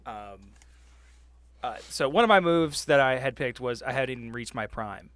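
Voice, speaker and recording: A man with a mid-pitched, quite bright voice plays a tabletop game. His talk is casual and hesitant as he works through what he wants to do. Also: lively intonation, normal speed, clear, resonant tone, no room sound.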